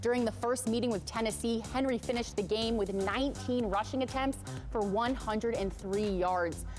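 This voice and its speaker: A woman's voice: a little high, moderate pace, over music. A woman with an American accent reading a scripted sportscast as anchor.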